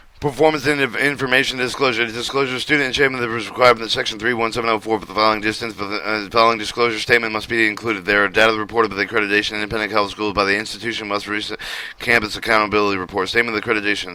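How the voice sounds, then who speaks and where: Over noticeable background noise, a man with a fairly low voice rushes along at a very fast pace with hardly any pauses and fairly even intonation. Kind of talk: reading aloud. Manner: monotone; loud.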